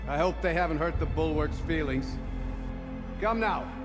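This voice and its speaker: A man's voice: on the high side, normal speed, natural voice. An actor playing an arrogant, pompous male tribal leader with a sneering, contemptuous delivery in a video game. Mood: mocking, haughty. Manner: pompous, mocking. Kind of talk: video game cutscene acting. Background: game music.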